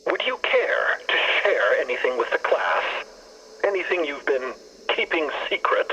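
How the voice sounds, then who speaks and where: An actor playing an indignant robot in an audio drama, pompous and cutting, through a robotic radio-like filter. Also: male voice, on the high side, big pitch swings, a little slow, pushed and bright, lo-fi sound, slight background noise, exaggerated voice. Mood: icy, scornful. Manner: pompous, cutting, precisely worded. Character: haughty, indignant male robot, vengeful and wounded.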